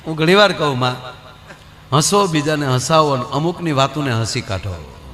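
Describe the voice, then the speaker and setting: A man's voice: a little high, expressive, moderate pace, a bit bright, big-room sound. A man from Gujarat, telling folk comedy stories on a live stage and acting out the voices of the people in his jokes. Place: live stage show before an audience.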